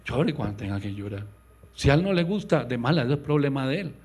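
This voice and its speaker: A male pastor delivering an impassioned sermon, swinging between loud, raised lines and hushed, low ones, and acting out quoted voices in a higher pitch. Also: sing-song, fast talker, slightly rough. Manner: impassioned preaching with sudden loud rises and hushed drops. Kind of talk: radio sermon.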